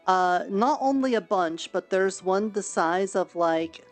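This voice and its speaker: A woman's voice: medium pitch, animated, takes it slowly, soft background music. A woman streamer roleplaying in character, motherly and practical as she hands out food and advice.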